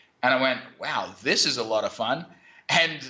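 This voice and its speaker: In a very clean recording with a silent background, a man with an Australian accent talks at a moderate pace in a bright, sharp tone. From Australia, Brisbane. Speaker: SEO consultant. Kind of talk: podcast interview.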